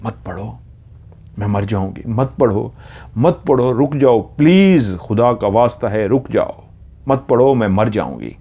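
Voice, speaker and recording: A man's voice: on the low side, measured pace, mellow. A man voicing a terrified young woman who desperately pleads to be let go. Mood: frantic pleading. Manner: desperate pleading, frantic cries.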